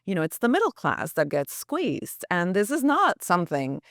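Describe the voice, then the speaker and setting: Low-voiced woman journalist, earnest. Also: huge pitch swings, moderate pace, dry recording, clean studio sound. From United States. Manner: earnest, thinks aloud with restarts. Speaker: documentary journalist as guest. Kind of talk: reflective podcast interview.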